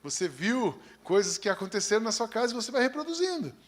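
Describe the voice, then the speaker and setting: High-voiced Brazilian pastor preaching. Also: male voice, very animated, quick pace. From São Paulo, Brazil. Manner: reads scripture steadily, then chats in a folksy, joking way. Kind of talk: sermon with scripture reading.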